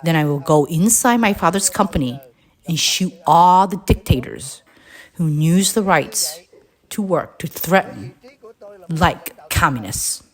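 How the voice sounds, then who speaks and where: Slow, husky woman reading aloud. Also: low voice, expressive. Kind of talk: scripted read-aloud narration.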